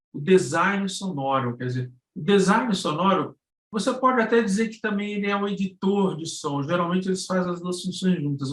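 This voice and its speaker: A man's voice: fairly high pitch, a bit bright. A man explaining things informally in a live lesson, often checking in with short tag questions. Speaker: guest instructor. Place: indoor room on an online live stream. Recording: roomy, echoing live-stream audio.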